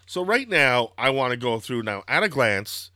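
Hoarse, rambling man hosting a podcast. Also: mid-range voice, moderate pace, dry recording, studio quality. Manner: rambling, filler-heavy, excitable. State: slightly hoarse, throaty. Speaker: podcast host. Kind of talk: casual wrestling podcast chat.

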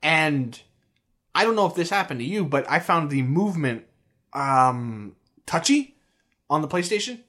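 Fairly high and fairly bright, this American man speaks in a sing-song way, a little slowly, pausing often. As a co-host on a video game podcast, he rambles through loose chat, restarting sentences and leaning on fillers.

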